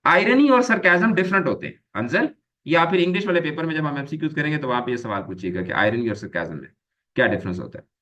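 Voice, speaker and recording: A man's voice: a little high, animated, quick pace, bright, forceful tone, muffled recording. A man teaching an online grammar lecture, explaining patiently, repeating key terms and mixing English words into his explanations.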